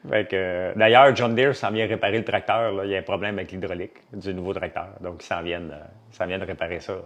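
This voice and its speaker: A man's voice: sits low, steady tone, fast, a bit bright. A man with a Québécois French accent, a farmer and business owner, chatting casually to a live audience and rambling from topic to topic with many fillers.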